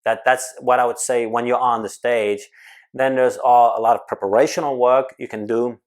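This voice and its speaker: A man gives advice on public speaking with plenty of energy. His pitch sits right in the middle for a man. He pushes through quick runs of words, then slows right down to stress a point. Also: steady tone. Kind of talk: advice talk to camera.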